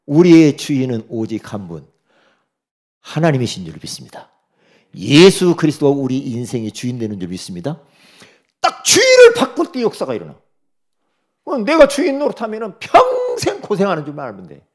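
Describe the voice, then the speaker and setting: High, sweeping-voiced Korean pastor preaching. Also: male voice, huge pitch swings, moderate pace. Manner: dramatic swings from loud exhortation to quiet asides; talks directly to congregation members. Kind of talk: sermon.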